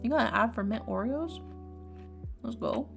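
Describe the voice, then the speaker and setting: Young Texan woman streamer, loose and rambly, slight fry, soft music underneath. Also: fairly high pitch, animated, moderate pace. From Texas. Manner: rambling, filler-heavy, swears casually. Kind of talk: casual stream chat. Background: lofi music.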